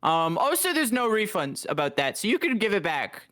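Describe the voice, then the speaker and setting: A man voicing a meek, injured shop pitchman, plaintive and weary with a strained voice, in an improvised comedy dub. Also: sing-song, normal speed, fairly bright tone, a little hiss or hum. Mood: plaintive, apologetic. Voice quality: strained, sore-sounding.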